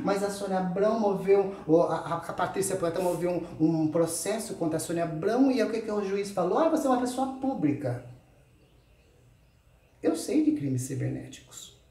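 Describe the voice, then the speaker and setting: A man hosting his channel, ranting in a sarcastic, lively way and tagging his sentences with questions. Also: sits high, roomy sound, distant mic. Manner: animated, sarcastic, peppers sentences with "tá?". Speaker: YouTube channel host. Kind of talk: ranting reply video.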